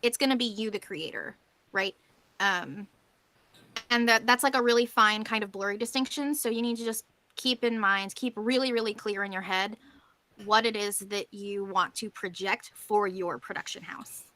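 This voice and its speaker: A woman's voice: medium pitch, moderate pace, sharp tone. A woman on a discussion panel, talking conversationally and picking through her points with care.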